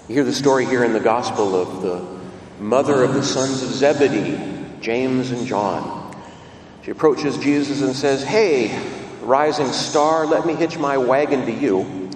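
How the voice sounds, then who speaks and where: A man serving as priest, reading the gospel and preaching a homily at Mass, with a lively, emphatic delivery in a cathedral echo. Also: mid-range voice. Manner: lively preaching, leaning hard on key words. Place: large church. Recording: long church reverb, distant mic, room noise.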